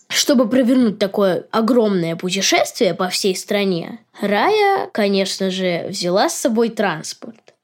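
Female podcast co-host, slightly high pitch, slow delivery, casual explainer. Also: a little mellow.

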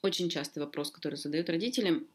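A woman language teacher chatting as a podcast guest, explaining in a lively way with sudden lifts in her voice. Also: sits low, rapid-fire. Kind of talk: casual conversation, explaining.

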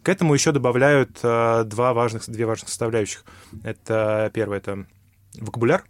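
A man's voice: medium pitch, fairly even intonation, a little fast, dry recording. A man explaining how to study a language in a conversation, thinking aloud with many fillers and restarts. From Russia. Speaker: guest, English teacher.

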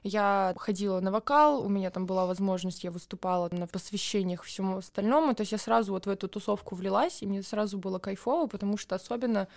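A young woman from Siberia, co-hosting a podcast and telling stories about her student years in a casual, animated way. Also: medium pitch, fast, creaky, hardly any pauses, no echo. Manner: animated storytelling with playful impressions and laughter. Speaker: podcast co-host. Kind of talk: casual chat.

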